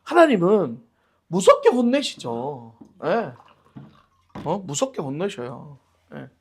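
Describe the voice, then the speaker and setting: A male pastor leads a Bible study. He tells stories expressively, swinging between loud exclamations and near-whispers. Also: on the high side, wildly swooping pitch, takes it slowly, slightly rough. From Gyeongsang region, Korea. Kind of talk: animated Bible-study teaching and prayer. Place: church library.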